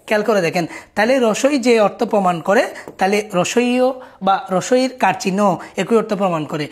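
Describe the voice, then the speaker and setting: A woman teaching a spelling lesson in a recorded class. She explains each rule patiently and keeps asking listeners to look closely at each word. Her pitch sits in a middle range for a woman.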